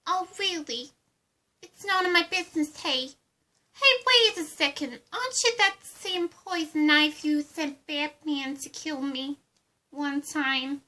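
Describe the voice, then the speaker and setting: Giddy clown villainess, very high girlish voice, slow drawn-out phrasing, cutesy, brash, cartoonish roleplay. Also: pushed and bright. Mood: indignant, nosy. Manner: cutesy, singsong, pet-name-dropping. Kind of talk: amateur character roleplay.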